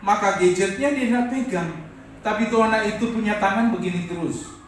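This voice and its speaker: A man's voice: high voice, brisk, a little hiss or hum. A man preaching a sermon as pastor, calling for amens from the congregation. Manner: preaching with call-and-response amens. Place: church hall. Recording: echoey church hall from far off.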